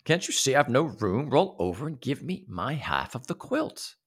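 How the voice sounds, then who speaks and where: A man voicing a grumpy, greedy little old man who shouts and demands. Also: very animated, normal speed, breathy edge. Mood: grumbling demanding. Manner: high, blustering, demanding.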